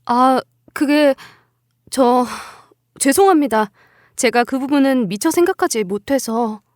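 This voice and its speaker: A woman's voice: a little high, animated, brisk, dry recording, studio quality, natural voice. A woman voicing a hurt young widowed daughter-in-law who pleads and pushes back in a dramatized story reading. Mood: apologetic. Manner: pleading, tearful defiance.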